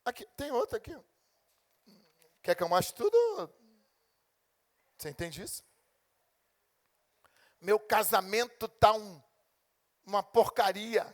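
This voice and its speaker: Animated high-voiced Brazilian pastor. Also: male voice, slow, pauses often. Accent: Brazilian Portuguese. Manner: animated preaching, acting out God and complaining believers. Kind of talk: sermon.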